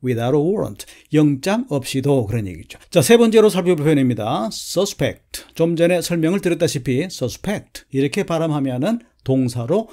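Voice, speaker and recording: A man gives a steady lesson on English news vocabulary. His voice is dark and mellow, sitting a bit high. He slows right down to read English examples word by word, then explains each one. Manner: measured, repeats a filler before each point, reads English examples slowly.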